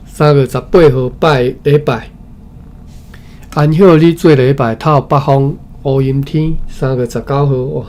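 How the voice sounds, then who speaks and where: A man with a Taiwanese accent reads a historical text aloud as a study session presenter, haltingly, often repeating phrases and adding informal asides. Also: medium pitch, fairly even intonation, a little mellow. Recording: clearly noisy recording with background ambience.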